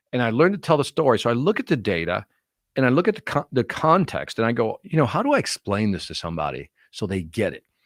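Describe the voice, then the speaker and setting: A man with an American accent speaks very fast, using very wide pitch swings and vocal fry. The sound is dry and close with no echo. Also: medium pitch for a man, very clean recording, silent background. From Chicago, US. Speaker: motivational sales speaker. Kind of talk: podcast interview.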